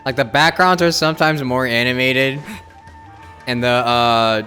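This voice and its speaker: A man's voice: mid-range voice, steady tone, measured pace, sharp tone. A man giving chatty, reactive live commentary as a game streamer. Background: game music.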